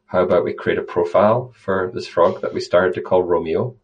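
A conservation guest with a very low, deep voice answers interview questions easily and conversationally. He talks briskly yet thoughtfully, often restarting a phrase before going on, and the audio sounds dull.

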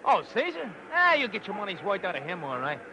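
A man's voice: sits high, wildly swooping pitch, fast, full character voice. An actor playing a jeering, slangy male wrestling fan in an old-time radio drama. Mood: mocking. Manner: mocking, laughing, slangy heckling. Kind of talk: 1940s radio acting. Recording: noisy vintage radio, roaring arena crowd.

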